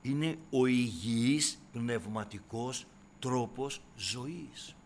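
A man preaching a sermon to his congregation, dropping to hushed asides and then rising into loud, impassioned exhortation. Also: medium pitch, slight background noise. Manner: keeps addressing listeners as brothers and sisters.

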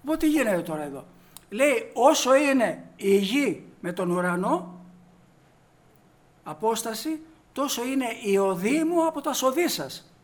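A man's voice: extremely high pitch, sing-song. A man preaching a sermon, telling anecdotes and acting out the dialogue, rising to emphatic peaks. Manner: storytelling, acts out dialogue, rises to emphatic peaks.

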